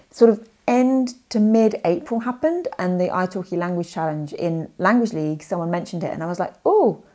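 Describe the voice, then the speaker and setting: A woman's voice: medium pitch, darkish tone. A young woman chatting to camera in a casual vlog, rambling with lots of fillers and self-corrections. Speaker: language learning vlogger. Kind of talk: casual talking-head vlog.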